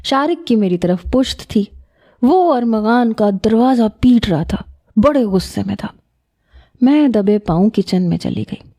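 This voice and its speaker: A woman narrating a first-person story in a calm, steady storytelling manner. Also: on the high side.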